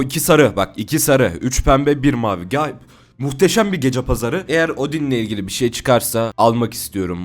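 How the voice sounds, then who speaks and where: A young man casually commenting on his gameplay, talking to viewers, swearing and bursting into mock anger. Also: fairly low pitch. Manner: fast, swearing, mock-angry outbursts. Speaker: gaming streamer.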